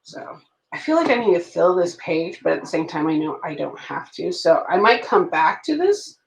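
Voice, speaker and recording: A woman in her late thirties rambles through a relaxed chat with her viewers, answering their comments as she journals. Her voice sits low and carries a gravelly fry. The room around her is echoey. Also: normal speed. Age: late 30s. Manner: chatty, reacts to viewer comments. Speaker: planner vlogger. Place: at home.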